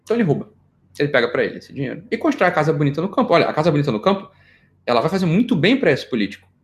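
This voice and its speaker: Animated Brazilian man lecturing fast. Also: on the high side. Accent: Brazilian Portuguese. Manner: animated, jokey, rhetorical questions. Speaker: psychology lecturer. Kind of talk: informal live lecture.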